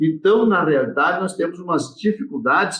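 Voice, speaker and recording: A man talks at a fairly quick pace. His high voice carries lively intonation. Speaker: law professor. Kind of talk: webinar panel discussion.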